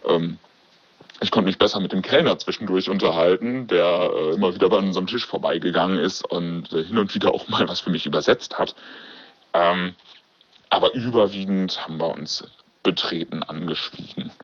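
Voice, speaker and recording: A man's voice: low voice, normal speed, slightly rough, dry recording, dull audio. A man telling a story in a dry, matter-of-fact way, with lots of fillers. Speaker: caller sharing a date story. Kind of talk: recorded anecdote, casual telling.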